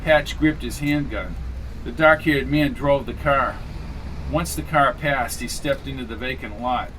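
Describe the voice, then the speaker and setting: A man reading thriller narration in a steady, measured way. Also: mid-range voice, slight background noise. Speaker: audiobook narrator.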